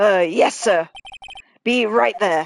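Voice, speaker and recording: A woman's put-on character voice, gravelly and medium-pitched, with lively intonation. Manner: deferential, obedient.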